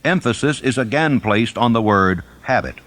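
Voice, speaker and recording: A man reading a self-help book as a scripted narration, deliberate and emphatic in his delivery. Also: mid-range voice, lively intonation, fairly bright tone. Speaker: audiobook narrator.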